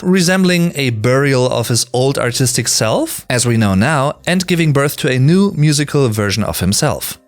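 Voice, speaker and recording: A man in his early thirties, a native German speaker, giving emphatic, conversational music commentary as a video host. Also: mid-range voice. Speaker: music reviewer, YouTube host. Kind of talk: scripted countdown commentary with casual asides.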